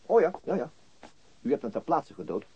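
An actor playing a calm, shrewd police detective in a radio crime drama, questioning in a measured, matter-of-fact way. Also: male voice, medium pitch, slight background noise, lightly acted. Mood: composed. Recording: dull, lo-fi radio recording.

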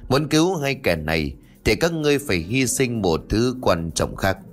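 A man's voice: mid-range voice, sing-song, moderate pace, soft background music, close to an everyday voice. A man voicing a vengeful female maiden spirit who possesses a man and speaks in a cold, commanding, threatening way. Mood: menacing.

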